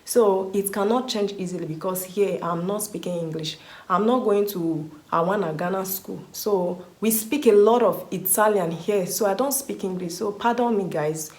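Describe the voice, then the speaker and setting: A woman's voice: mid-range voice, normal speed, darkish tone, reverberant. A young woman from Nigeria with a Nigerian accent, answering viewer questions in a chatty vlog, often repeating words for stress. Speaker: vlogger. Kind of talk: casual Q&A vlog.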